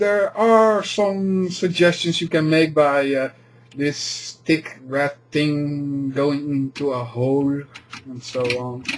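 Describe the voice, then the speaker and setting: This man has a non-native accent and a fairly high pitch with ordinary pitch variation. His pace is very slow. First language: not English. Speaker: toy reviewer. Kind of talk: product review. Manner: halting, many fillers.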